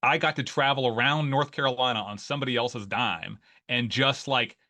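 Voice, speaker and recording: A man's voice: mid-range voice, normal speed, bright, forceful tone. A man in his forties from Northeast Ohio with an Ohio accent, talking as a guest in a casual interview and rambling with many fillers and restarts. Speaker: guest, newsletter writer.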